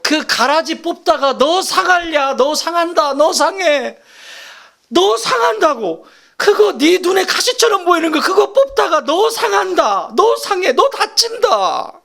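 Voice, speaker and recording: A pastor speaking as a protective, fatherly God, pleading with his child in a lifted, lively voice with a gravelly edge. The tone stays tender and insistent, repeating each warning again and again. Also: unhurried, heavily acted. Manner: pleading, soft insistence, raised pitch.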